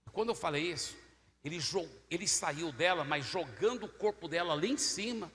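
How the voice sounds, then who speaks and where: A man preaching a sermon, telling a story and acting out every voice, swinging from loud to hushed. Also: fairly high pitch, moderate pace. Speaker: pastor. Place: large church hall. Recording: echoey church hall, faint noise.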